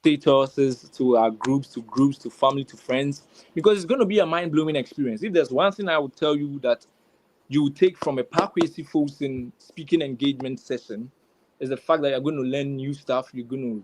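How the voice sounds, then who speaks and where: A man's voice: medium pitch, expressive, normal speed, darkish tone, slight background noise, poor audio. A man co-hosting a live webinar informally, urging the attendees along with repeated phrases. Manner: repetitive, urging. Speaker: co-host welcoming attendees.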